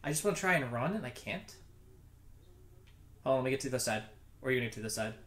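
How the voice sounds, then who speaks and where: A man's voice: mid-range voice, expressive, fast talker, a bit bright. A young man chatting casually as he plays a co-op video game, joking and swearing freely. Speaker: gamer in co-op play. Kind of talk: casual gaming chat. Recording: roomy, echoey voice recording.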